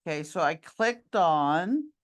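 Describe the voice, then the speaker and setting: Middle-aged woman teacher, low voice, deliberate pace, slightly strained voice, walks through each step aloud. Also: big pitch swings. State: losing her voice. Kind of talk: screen-recorded class tutorial.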